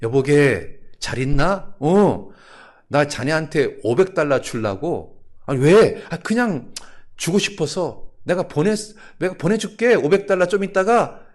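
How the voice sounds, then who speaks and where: A man's voice: on the high side, lively intonation, measured pace, voice pushed up. A man playing a friendly male friend on a phone call, speaking in a breezy, old-fashioned, familiar way.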